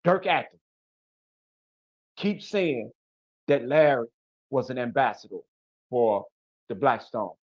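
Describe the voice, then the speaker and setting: A man's voice: medium pitch, expressive, takes it slowly, long pauses, no echo, highs cut off. A man from Chicago with a Chicago accent, a guest in an interview who talks bluntly and emphatically in street slang. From Chicago, USA. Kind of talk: casual interview talk.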